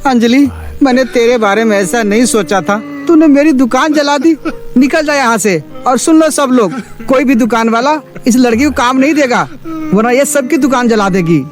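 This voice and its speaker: Emphatic, familiar male shop boss man performing; high male pitch, cartoon story with music. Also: normal speed. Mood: furious. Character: male shop owner, jovial boss turned harshly angry.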